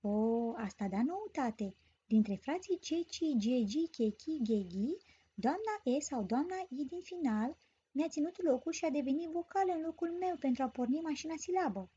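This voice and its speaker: A woman teaching a grammar lesson as a story, explaining clearly and patiently. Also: high voice, lively intonation, mellow. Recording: dull lo-fi recording.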